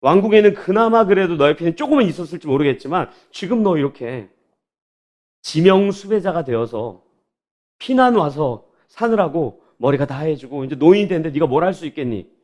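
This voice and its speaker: A man's voice: fairly high pitch, expressive, brisk, darkish tone, close to an everyday voice. A man preaching, voicing God as a divine male voice who speaks bluntly and directly. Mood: stern.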